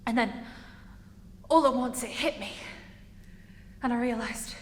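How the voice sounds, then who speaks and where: A woman playing a hurt, defiant young gay woman in a halting, emotional theatre monologue. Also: on the high side, close to an everyday voice. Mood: tender, confessional, then pained, resolute. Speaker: acting student. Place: large reverberant indoor room. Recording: echoey hall with background noise.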